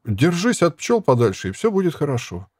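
A man's voice: fairly high pitch, sing-song, a little fast, darkish tone, no room sound, studio quality, pitched above the performer's own voice. A man voicing a weary wandering herbalist who talks firmly and sceptically in an audiobook. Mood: stern.

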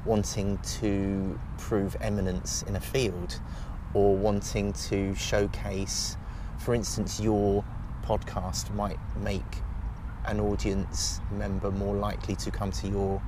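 Man, lowish voice, podcast host asking probing questions, traffic audible behind. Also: little pitch movement, slow. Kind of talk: interviewing.

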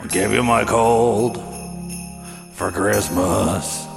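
A man's voice: fairly low pitch, steady tone, gravelly. A man singing a comic holiday song in a sniffly, complaining way. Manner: slow, sung with a sniffly, coughing complaint. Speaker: singer. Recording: song with loud festive music.

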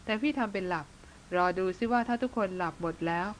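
Talking fast in a natural mid-range voice, a woman plays a blunt yet tender bearded older brother who teases his younger sister. The mood is teasing and the manner plain-spoken, with slight background noise.

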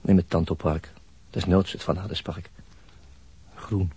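A brooding man telling a radio crime story as inner monologue. His voice is very low and soft-edged, heavily husky and breathy. He sounds weary and haunted, lingering over short phrases. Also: little pitch movement, heavily acted. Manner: slow, introspective, halting monologue. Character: brooding, weary male narrator haunted by a murder.

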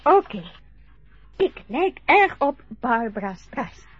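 An actress playing a chatty, eager young woman carer in a radio play, with a husky, breathy voice. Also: sits high, big pitch swings, slow pace, heavily acted. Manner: chatty, eager, a little bossy. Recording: dull lo-fi radio play recording.

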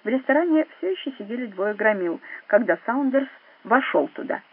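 A woman reading a thriller audiobook as narrator, with steady, even storytelling. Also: fairly high pitch, fairly quick, slightly rough. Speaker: audiobook reader. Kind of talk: scripted narration. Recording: narrow phone-like band.

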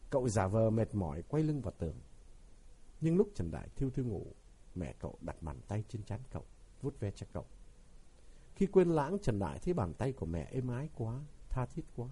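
Brief: male narrator, husky voice, lively pitch, dramatic novel reading.

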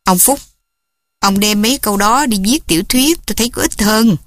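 A woman's voice: medium pitch, brisk, no room sound, close to an everyday voice. A woman voicing a stern, domineering old father who scolds sharply. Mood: harsh.

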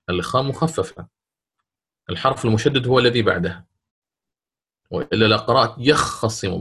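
A man teaching a Quran recitation lesson online. He explains step by step, checks understanding with questions, and recites verses slowly and drawn out. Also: fairly low pitch, a bit bright, breathy edge.

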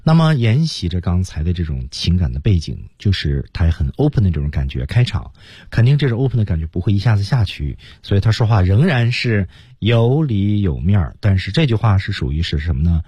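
Low, lively male radio English teacher. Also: brisk, slightly rough, dry recording. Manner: explanatory, lively, demonstrates intonation. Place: radio studio.

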